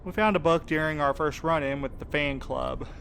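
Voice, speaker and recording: A man's voice: on the high side, normal speed, gravelly, fairly bright tone, slight background noise. A man acting a candid, easygoing, wryly friendly character, casual and matter-of-fact, in audio drama dialogue.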